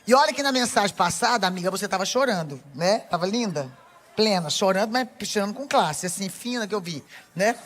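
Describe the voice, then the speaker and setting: Over slight background noise, a woman with a Brazilian Portuguese accent preaches briskly in a medium pitch to a women's audience. She keeps it lively, playful, and teasing, talking straight to the listeners.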